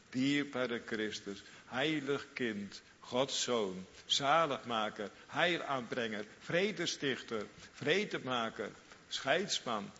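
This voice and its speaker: Slow, fervent preacher with a bright voice. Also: male voice, medium pitch, big-room sound, dull audio, a little hiss or hum. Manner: fervent, repetitive, lingering on each phrase. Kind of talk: sermon.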